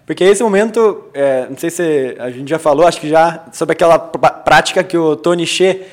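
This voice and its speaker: A man with a somewhat high voice shares hiring practices in a relaxed podcast chat. He thinks aloud and restarts phrases, then drops into a low, confiding tone. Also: moderate pace. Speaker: podcast co-host. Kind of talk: casual business podcast chat.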